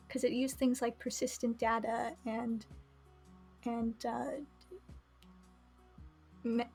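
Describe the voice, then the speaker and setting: A woman's voice: fairly high pitch, mellow, husky. A woman giving casual commentary as she plays a game on a live stream.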